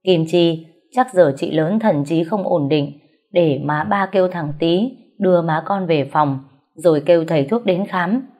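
A woman doing a brisk middle-aged matron. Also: fairly low pitch, darkish tone. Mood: businesslike. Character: middle-aged woman, practical household manager.

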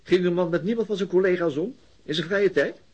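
An actor playing a persistent, courteous police detective in a radio drama, probing with questions and hesitant hums. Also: male voice, high-pitched, fairly quick, a little mellow, muffled recording, natural voice. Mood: probing, surprised. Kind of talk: naturalistic radio drama acting.

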